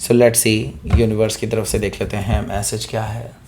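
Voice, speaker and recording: A man with a hoarse throat giving a weekly tarot reading, talking straight to the viewer, often checking in with "okay?" and mixing in English words. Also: lowish voice, flat delivery, normal speed, darkish tone, slight background noise. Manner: keeps asking "okay?" to the listener, mixes in English words. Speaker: tarot reader.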